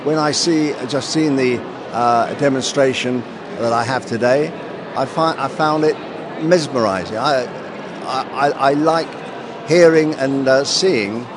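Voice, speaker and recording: Male passer-by, stumbling speech, loud street noise. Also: mid-range voice, measured pace. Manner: hesitant, repeating words. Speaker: festival visitor. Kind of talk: street vox pop.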